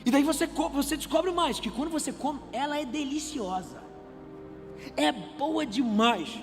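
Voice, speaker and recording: High-voiced Brazilian pastor preaching. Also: male voice, a little slow. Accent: Brazilian Portuguese. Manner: animated, conversational preaching with rhetorical questions to the congregation. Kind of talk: sermon. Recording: reverberant church hall with faint music.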